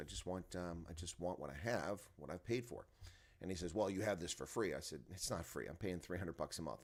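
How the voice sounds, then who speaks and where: Talking at a very fast pace, a man with a very deep, low pitch and vocal fry keeps an animated tone. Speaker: rugby commentary streamer. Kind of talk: casual live stream chat. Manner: talking quieter than usual.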